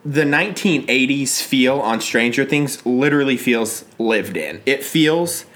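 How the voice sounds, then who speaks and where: A man in his thirties chatting casually as co-host, animated and talkative, jumping from TV to baseball. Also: mid-range voice. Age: 30s. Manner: animated, talkative, quick bursts of excitement. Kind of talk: casual chat and sports talk.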